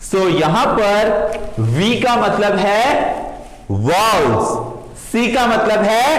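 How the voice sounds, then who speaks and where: A man with an Indian accent teaches a pronunciation lesson. His voice sits high and he takes his time. He drills each word over and over in an echoey room. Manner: drills words by repeating them, asks the listener to repeat. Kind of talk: classroom-style lesson explaining rules.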